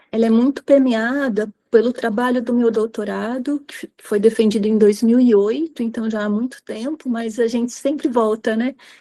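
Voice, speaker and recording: A woman speaks at a moderate pace in a fairly high pitch with a dark, mellow tone and big swings in loudness. The background is quiet. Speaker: university professor, philosopher. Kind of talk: academic lecture. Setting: online video call. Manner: volume tends to drop over time.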